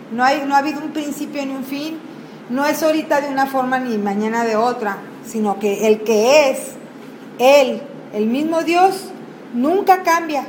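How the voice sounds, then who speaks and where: A woman with a high voice leads a Bible study, reading scripture aloud and then explaining it step by step. She often turns to her listeners with questions. A faint hiss of noise runs under the recording. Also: rough recording. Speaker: Bible teacher.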